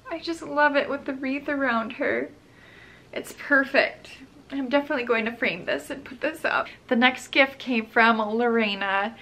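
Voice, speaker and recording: A woman's voice: a little high, sharp tone. A woman in her thirties chatting casually in a family vlog, talkative and emotional, often close to tears. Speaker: family vlogger.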